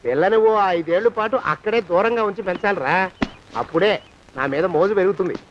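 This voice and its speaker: An actor playing a vain, stingy, lecherous middle-aged landlord who scolds and blusters in comic film dialogue. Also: male voice, sits high, fairly quick, a little hiss or hum, lightly acted. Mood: bossy. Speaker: film comedian. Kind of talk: Telugu film comedy dialogue. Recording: dull lo-fi film soundtrack.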